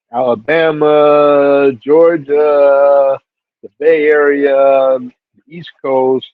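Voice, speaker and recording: Middle-aged man from Seattle, relaxed storyteller, dry phone-quality audio. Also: medium pitch, no echo. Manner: laid-back, many fillers, voice jumps up for quoted reactions. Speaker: hip-hop DJ and label figure telling his story. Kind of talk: casual storytelling interview. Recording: tinny phone-like line, dry.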